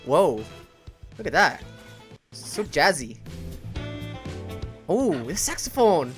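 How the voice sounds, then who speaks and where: A man's voice: a little high, very animated, slow, soft background music. A young man giving casual, gushing, slangy reaction commentary as a video game YouTuber.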